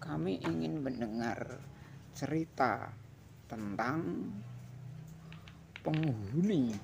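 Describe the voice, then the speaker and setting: Over-enunciating man reading aloud, gravelly. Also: mid-range voice, lively intonation, very slow, background noise. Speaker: storyteller reading a children's book. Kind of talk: read-aloud children's story with casual commentary.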